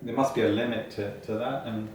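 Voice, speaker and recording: Hesitant man interviewer, somewhat low voice. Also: fairly even intonation, brisk, a little mellow. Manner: hesitant, repeats words, laughs easily. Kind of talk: interview conversation. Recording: echoey room, from a distance, faint noise.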